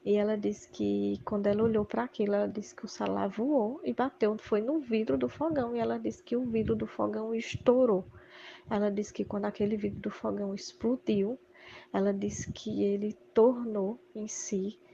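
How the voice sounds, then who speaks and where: A woman's voice: mid-range voice, little pitch movement, moderate pace, gravelly, dark tone, slight background noise. A middle-aged woman giving a religious testimony, retelling events in a repetitive, emphatic way. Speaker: church member giving testimony. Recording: dull lo-fi recording.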